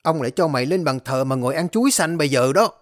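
A man voicing a hot-tempered older male landowner who scolds and shouts at a servant in a spoken story. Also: a little high, lively intonation, fast, lightly acted. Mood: furious.

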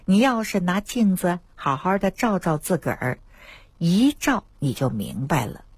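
Woman, doctor, husky, lively up-and-down storytelling on radio. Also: fairly low pitch, a little slow, no room sound. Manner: lively anecdotes, acting out patients' lines. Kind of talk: storytelling health talk on radio.

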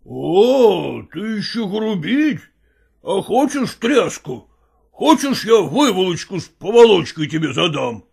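A woman reading a story aloud, voicing a rough, bullying husband who drawls his threats slowly. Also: mid-range voice, sing-song, a little mellow, pitched above the performer's own voice, exaggerated voice. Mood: angry threatening. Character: rough, bullying working-class husband, grown man. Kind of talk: audiobook character reading.

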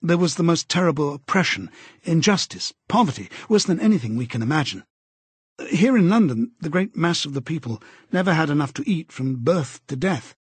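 A man voicing a cautious, earnest middle-aged man in an audiobook, speaking in a measured, tentative way. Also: on the high side, big pitch swings, husky, no room sound, pitched above the performer's own voice. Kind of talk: audiobook character voice.

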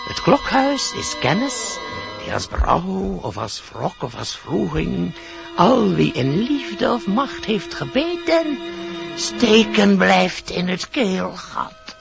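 A cryptic sorcerous figure in a theatrical radio play. The creaky voice swoops wildly and speaks slowly, like an incantation. Music plays behind the muffled recording. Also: mid-range voice, big pitch swings, heavily acted. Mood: grandly sinister. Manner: incantatory, slow, grandly dramatic. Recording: dull old radio recording.

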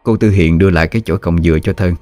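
A man narrating a ghost story in a measured, hushed way. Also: sits low, no echo.

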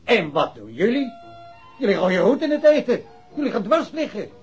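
An actor playing a plain-spoken, doubting colleague of police detectives in a radio play. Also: male voice, sits high, big pitch swings, moderate pace, darkish tone. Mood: scornful. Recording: muffled radio play recording, faint music.

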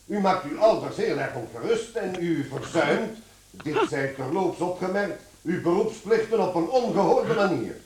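An actor in a radio play playing an officious, stern chief clerk who speaks formally and reproachfully. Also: male voice, sits high, expressive, moderate pace, darkish tone. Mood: stern, indignant. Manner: formal, pompous. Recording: echoey, slightly noisy radio drama recording.

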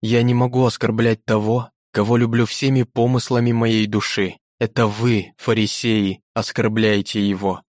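A man's voice: on the low side, level tone, moderate pace, few pauses, a little mellow, no echo, studio quality, lightly acted. A man voicing a proud, defiant young woman on trial, speaking with indignant passion in a storybook reading. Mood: impassioned.

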